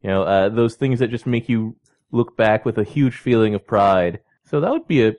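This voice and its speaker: Podcast co-host, man in his thirties, casual, reads letters out loud and chuckles easily. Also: fairly low pitch, lively intonation, normal speed. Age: 30s. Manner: laughs often, reads letters aloud. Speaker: podcast co-host reading listener mail.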